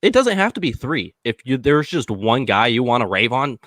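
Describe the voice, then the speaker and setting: A man hosting a podcast from an upstairs room on a laptop, chatty and relaxed as he hands the floor to others. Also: mid-range voice, moderate pace, no room sound, studio quality. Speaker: podcast host.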